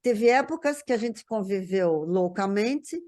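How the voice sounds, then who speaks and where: A woman's voice: medium pitch, animated, unhurried, warm tone. A Brazilian woman reminiscing in casual conversation as an interview guest, often repeating words as she searches for the next one.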